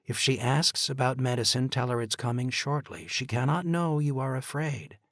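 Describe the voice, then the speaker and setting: Voicing an earnest woman nurse, a man speaks in an urgent, pleading way, pitching himself above his own natural voice. His medium-pitched, fairly bright delivery comes at normal speed in clean studio sound with no echo.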